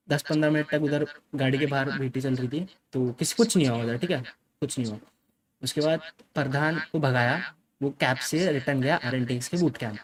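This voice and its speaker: A young man with a slightly higher voice speaks straight to his viewers in a casual way. His talk is emphatic and insistent, switching into English phrases mid-sentence. He keeps coming back to "okay" to push his point. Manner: mixes Hindi with English phrases. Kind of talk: casual spoken account to viewers.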